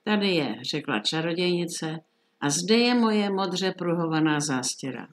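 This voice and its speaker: A woman's voice: on the low side, expressive, lightly acted. A woman voicing a scheming old witch in a storybook reading, coaxing and secretive. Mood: offhand. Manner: coaxing, then curt.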